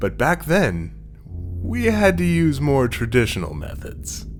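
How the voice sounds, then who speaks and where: A man speaks, neither fast nor slow, as music plays behind him. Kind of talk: horror story narration.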